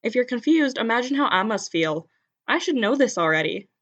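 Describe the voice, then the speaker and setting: An actress plays an anxious, puzzled young woman in an audio drama. Her mid-pitched voice is very animated, on a slightly dull recording. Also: brisk. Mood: confused.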